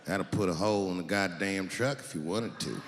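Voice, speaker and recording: A man voicing a deadpan rural male gun-counter clerk who drawls slowly in a very low voice, in a stand-up routine. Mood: drawling. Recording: reverberant hall with faint ambience.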